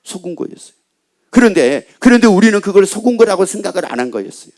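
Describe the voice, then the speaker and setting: A male pastor delivers a Sunday sermon in a church. His voice sits high for a man. He throws questions at the congregation, answers them himself, and repeats his phrases for weight. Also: sing-song, quick pace, a little mellow. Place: church sanctuary.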